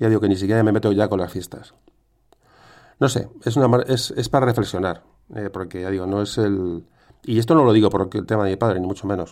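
Speaking at a fairly quick pace yet with long, frequent pauses, a man uses a fairly low pitch and ordinary pitch variation on a very clean recording with a silent background. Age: 50s. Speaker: history podcaster. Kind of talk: history storytelling monologue. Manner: halting, many fillers.

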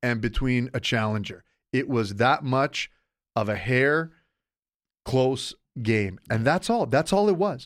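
On a very clean recording with a silent background, a man speaks in an animated tone at a fairly slow pace. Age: 40s. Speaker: sports radio co-host. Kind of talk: casual sports chat.

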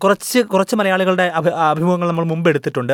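A man speaks at a high pitch. The recording is very clean with a silent background, and the sound is dry and close with no echo. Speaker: radio podcast host. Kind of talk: interview.

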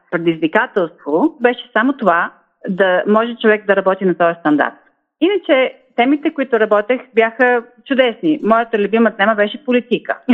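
A woman's fairly high, ordinary speaking voice with lively intonation, very even loudness, and a moderate pace. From Bulgaria. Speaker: psychologist. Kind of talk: interview.

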